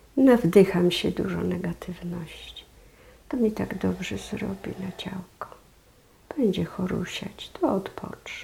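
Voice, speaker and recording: A woman speaks very slowly while noticeable background noise continues behind her. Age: 70s. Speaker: opera singer and voice teacher. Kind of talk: interview. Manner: animated.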